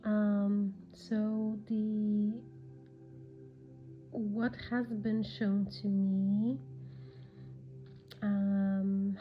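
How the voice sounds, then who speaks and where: A woman with a cold and a raspy, hushed voice, giving unscripted spiritual guidance hesitantly, with long pauses. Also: medium pitch. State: has a cold, irritated throat. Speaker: spiritual podcast host. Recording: dull lo-fi audio with background music. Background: music.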